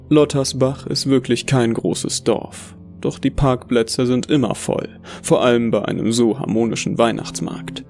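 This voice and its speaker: Man as creaky, bitter horror narrator. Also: medium pitch, a little mellow. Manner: brooding, contemptuous. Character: bitter, delusional Santa narrating his hatred. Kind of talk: dramatic first-person horror narration. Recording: music behind the voice.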